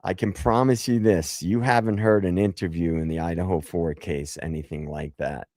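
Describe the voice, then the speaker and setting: A man hosting a casual livestream, hoarse after a gig, talking loosely and swearing as he jokes with chat. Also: deep voice, steady tone, normal speed, darkish tone, dry recording, clean studio sound. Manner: loose and profane, jokey. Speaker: livestream host.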